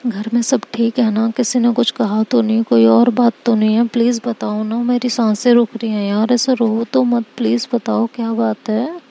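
A woman's voice: fairly high pitch, flat delivery, moderate pace, creaky, dark tone. A woman voicing a devoted young woman who anxiously presses her girlfriend with worried questions.

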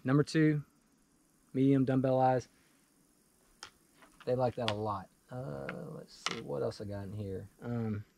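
With a mid-range voice, a fly fishing vlogger in his forties chats relaxedly to camera while showing his fishing gear, stumbling through plenty of fillers and restarts. He stands in a wooded clearing next to a pickup truck.

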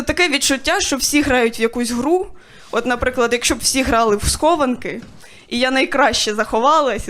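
A young woman performing a stand-up set, telling stories in a dry way with quick voiced asides. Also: fairly high pitch, a bit bright. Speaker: stand-up comedian. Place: stage of a small comedy club.

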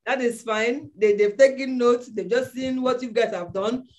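An acting coach with a Nigerian accent runs an online audition class on a video call from an indoor room, repeating her commanding orders to students. Her voice is on the high side and a little mellow, and she talks at a moderate pace into her video call microphone.

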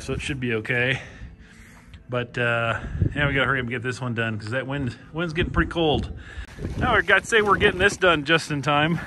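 Easygoing man narrating over noisy wind. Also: medium pitch. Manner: easygoing, explains step by step, many "uh" pauses. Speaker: vlogger, pilot building a hangar. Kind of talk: casual walk-through narration. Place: unfinished hangar and open field, in and out of doors. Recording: noisy outdoor recording.

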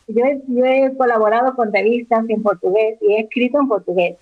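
A woman's voice: fairly high pitch, steady tone, a little fast, a little hiss or hum. A woman in her forties with an accent from Spain, answering interview questions in a chatty way, often restarting and repeating words. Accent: Spanish from Spain. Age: 40s. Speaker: interview guest. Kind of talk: casual conversational interview. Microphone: phone call. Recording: narrow phone line.

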